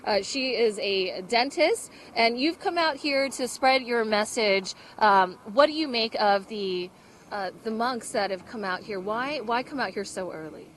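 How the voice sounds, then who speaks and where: A woman's voice: a little high, animated, unhurried, fairly bright tone, a little hiss or hum. A woman field reporter giving a live news report from the street, talking loosely with fillers and restarts. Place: outdoors in the cold by a roadside crowd.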